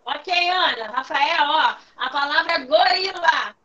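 A patient woman teaches over a video call, calling on pupils by name and asking her questions again until they answer. Her voice sits high and bright. The call audio is dull and lo-fi. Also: lively intonation, slow. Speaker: primary school teacher. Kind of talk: online class lesson.

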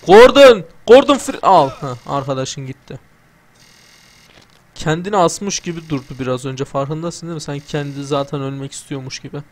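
A man's voice: mid-range voice, steady tone, normal speed. A young man giving casual let's-play commentary, joking, swearing and talking back to the game's characters. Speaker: gamer playing through a video game.

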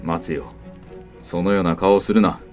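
Stern feudal castle lord , male actor, deep, authoritative archaic delivery, historical voice drama. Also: fairly even intonation, normal speed, faint music behind, natural voice. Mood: grave, resigned. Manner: archaic, authoritative samurai speech. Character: stern old samurai castle lord, commanding father of two daughters. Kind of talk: Japanese historical voice drama acting.

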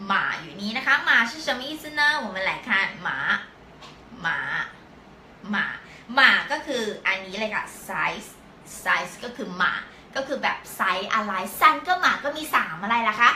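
A woman teaching a live-stream language lesson, patiently explaining step by step and slowly repeating words for learners. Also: medium pitch, lively intonation, bright, forceful tone, a little hiss or hum. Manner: slow, drawn-out repetition of words for learners. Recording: echoey room.

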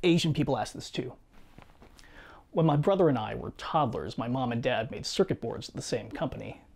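A man in his thirties reading a scripted personal video essay in a measured, reflective way, seated in a small home studio. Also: medium pitch, gravelly, breathy edge. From United States. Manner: measured, reflective storytelling with quiet asides. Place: small home studio room with guitars and shelves.

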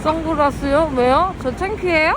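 A woman's voice: high voice, normal speed, loud music behind the voice. A woman vlogging casually, whining and laughing at herself as she complains. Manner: whiny and self-mocking, laughing through complaints. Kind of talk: casual vlog chat. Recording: noisy street background.

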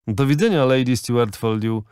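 A man reading an audiobook, voicing a polite, eager gentleman captain who speaks up brightly. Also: medium pitch, normal speed, smooth, no echo, clean studio sound, lightly acted. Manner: courteous, eager, exclaiming.

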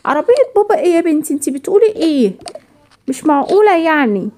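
Woman voicing a bossy little Egyptian girl friend in a cartoon, very high and fast. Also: very animated, mellow, slight background noise. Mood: scolding. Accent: Egyptian Arabic. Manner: scolding, matter-of-fact.

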